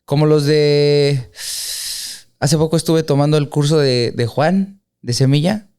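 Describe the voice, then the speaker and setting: A man hosts a relaxed podcast in a smooth, clear voice that sits a little high. He jokes often and keeps putting questions to his guests. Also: measured pace. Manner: joking, asks questions. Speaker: podcast host. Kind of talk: casual podcast chat.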